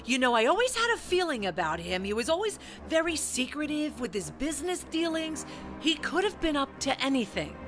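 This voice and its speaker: An actress playing a shaken, bitter wife in an audio drama, dramatic and sharp-tongued. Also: female voice, high voice, big pitch swings, fairly quick, music in the background. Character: shaken, bitter wife suspicious of her husband.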